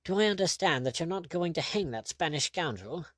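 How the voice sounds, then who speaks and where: A man voicing a haughty, excitable, indignant lord with a pompous, exclamatory way of talking, in an audiobook adventure tale. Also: mid-range voice, a little fast, dry recording, studio quality, pitched above the performer's own voice. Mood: outraged, excited.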